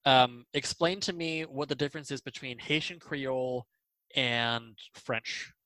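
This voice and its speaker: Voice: medium pitch, unhurried, pushed and bright, dry recording, rough recording. A host asking casual interview questions, hesitating often on fillers.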